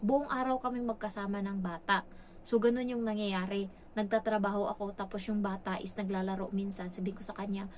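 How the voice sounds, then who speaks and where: A Filipino woman vlogs casually and frankly about working abroad as a domestic helper, chatting freely and acting out the lines she quotes. Her mid-range voice is a little mellow, and there's a slight hiss or hum on the recording.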